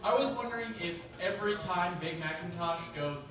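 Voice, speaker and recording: A man's voice: sits high, a crowd in the background. A man in the audience asking a panelist a teasing joke question. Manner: joking, quick, teasing. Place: large convention hall. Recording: noisy echoey hall, far from camera.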